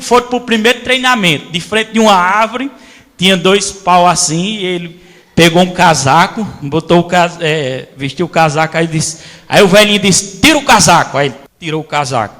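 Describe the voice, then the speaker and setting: A male pastor from Brazil, preaching a sermon as animated storytelling and acting out voices. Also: high-pitched, normal speed, big-room sound. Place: church hall.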